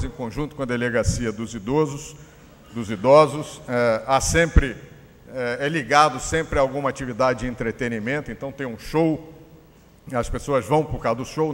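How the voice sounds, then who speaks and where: A man with a Brazilian Portuguese accent giving a conference presentation, pausing often with filler sounds. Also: medium pitch. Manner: hesitant, many filler pauses. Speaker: panel speaker. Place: large conference hall. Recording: long hall reverb.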